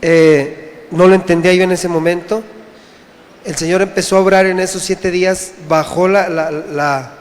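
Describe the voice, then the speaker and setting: A man from Mexico giving an earnest, halting personal testimony to a church congregation, often repeating himself. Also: sits high, fairly even intonation. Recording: echoey church hall.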